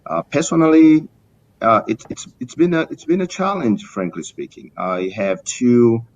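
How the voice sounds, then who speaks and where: A middle-aged man with a Tanzanian accent answering as an interview guest, formal and courteous, with many halting hesitations. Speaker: interview guest, community business leader. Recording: muffled lo-fi link with rumbling noise.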